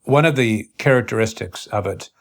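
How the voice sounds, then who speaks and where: Earnest, deliberate man in intellectual conversation. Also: fairly low pitch. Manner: earnest, deliberate, halting with repeated phrases. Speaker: interviewer in a long-form conversation.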